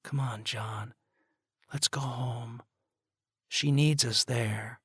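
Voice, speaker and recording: A man's voice: medium pitch, fairly even intonation, drawn-out words, a bit bright, husky, dry recording, clean studio sound, pitched above the performer's own voice, exaggerated voice. A man voicing an earnest woman nurse who talks in an urgent, pleading way.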